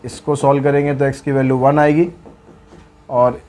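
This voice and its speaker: A man's voice: mid-range voice, level tone, normal speed, darkish tone, a little hiss or hum. A male math teacher giving a casual blackboard lesson, teasing his students and stepping through the working one step at a time.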